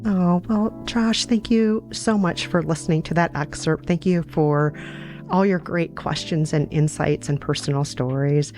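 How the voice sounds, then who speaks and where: A woman chatting reflectively and conversationally as a host on a relaxed bedtime podcast. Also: sits low, unhurried, soft background music.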